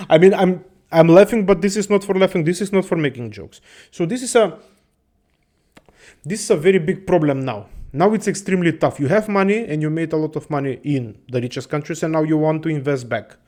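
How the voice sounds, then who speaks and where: A man with a noticeably high voice talks off the cuff to his audience. His delivery is rambling and profane, broken up by chuckles and a constant "my friends.". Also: brisk, mellow. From Balkans. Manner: rambling, profane, laughs often, keeps saying "my friends". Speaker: host. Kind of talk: casual monologue to viewers.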